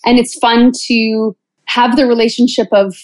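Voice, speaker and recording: A woman speaks as the guest in an interview, answering in a conversational way. Her voice sits a bit high, and the recording is dry. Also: steady tone, a little slow, a little mellow, no room sound. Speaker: interview guest, musical theater actress.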